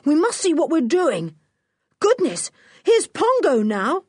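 Woman voicing a high, excited commanding boy. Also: slow pace, no room sound, studio quality, full character voice. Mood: urgent. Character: urgent plucky boy leader, shouting orders.

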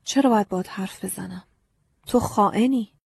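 A woman voicing a scarecrow come to life as a grown man, curt and aloof, in a breathy storybook reading. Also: medium pitch, darkish tone, dry recording, studio quality.

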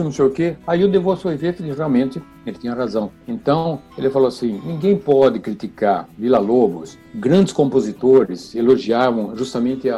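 An older man speaks in a dark, mellow voice with a husky edge. He tells stories in an animated way and keeps tagging his phrases with "né?". Faint music sits behind him. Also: medium pitch. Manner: animated, frequent "né?" tags. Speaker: chamber musician. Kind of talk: storytelling interview.

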